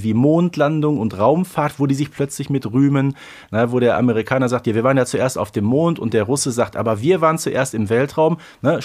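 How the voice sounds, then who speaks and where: A man hosting a podcast in casual chat, pausing often with filler sounds. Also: mid-range voice. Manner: hesitant, many filler sounds. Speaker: podcast host. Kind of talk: casual podcast chat about a radio play.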